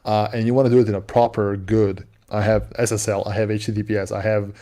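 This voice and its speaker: Guy co-hosting a tech stream, lowish voice, explains stuff, restarts a lot. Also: little pitch movement, quick pace, warm tone. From Serbia. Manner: explanatory, restarts, laughs often. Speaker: co-host answering cloud questions. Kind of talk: casual live-stream chat.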